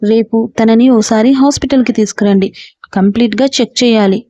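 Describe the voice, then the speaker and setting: A woman voicing a calm, matter-of-fact female doctor in a measured tone. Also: on the high side, no room sound, close to an everyday voice.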